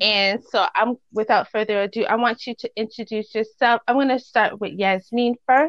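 In a Toronto accent, a woman speaks at a fairly slow pace and fairly high pitch with ordinary pitch variation, in a dry, close sound with no echo. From Toronto, Canada. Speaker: podcast host. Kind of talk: casual chat. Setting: remote call. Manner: animated.

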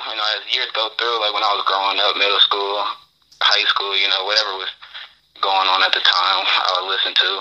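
A man speaks with an American accent. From Springfield, Illinois. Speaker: rapper. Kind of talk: interview.

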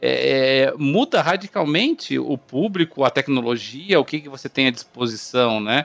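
A man with an unremarkable speaking voice and fairly high pitch talks at a fairly slow pace with hardly any pauses and ordinary pitch variation. His loudness swings widely, and the sound is dry and close with no echo. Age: middle-aged. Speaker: podcast host. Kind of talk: casual chat.

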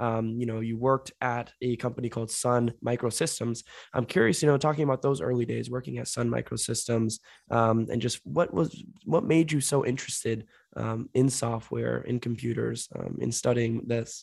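Against a quiet background, an unremarkable speaking voice talks at a moderate pace with ordinary pitch variation. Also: man, medium pitch for a man. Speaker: podcast host. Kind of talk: interview.

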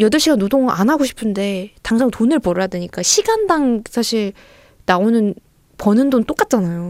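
The woman's fairly high pitch moves in very wide swings. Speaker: community radio co-host. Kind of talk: scripted segment announcements; casual radio talk show. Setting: radio studio. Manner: low-energy voice.

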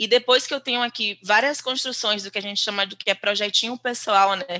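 A woman talks at a fairly quick pace with a bright, sharp tone and fairly even intonation. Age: 30s. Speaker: software developer. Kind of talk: casual interview.

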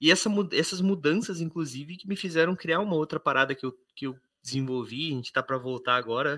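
Over a very clean recording with a silent background, a man speaks at a fairly high pitch in a bright, sharp tone, using ordinary pitch variation. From southern Brazil, Rio Grande do Sul and Santa Catarina. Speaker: RPG content creator and product designer. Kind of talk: casual chat. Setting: live stream.

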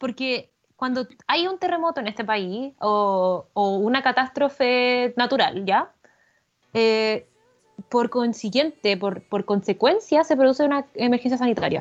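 A woman with a Chilean accent speaks at a fairly slow pace, her high voice carrying lively intonation. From Santiago, Chile. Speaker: university student. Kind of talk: casual chat.

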